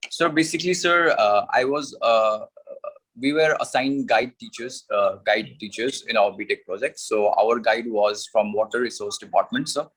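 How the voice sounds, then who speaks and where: A man's voice: mid-range voice, moderate pace, fairly bright tone, slightly rough, rough recording. A young man with a South Asian accent, a native Nepali speaker, answering as an interview candidate in a hesitant, deferential way. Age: young adult.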